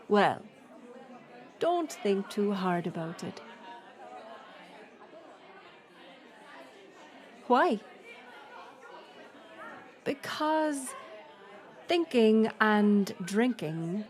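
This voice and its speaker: A woman's voice: mid-range voice, darkish tone. A woman playing a bold, teasing pirate smuggler captain in an audio roleplay, playful and sardonic in manner. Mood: flirtatious, playful. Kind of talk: intimate audio roleplay storytelling.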